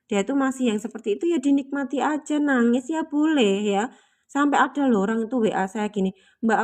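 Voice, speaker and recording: Lady doing a chatty spiritual talk, gentle, lots of filler words, kinda high voice.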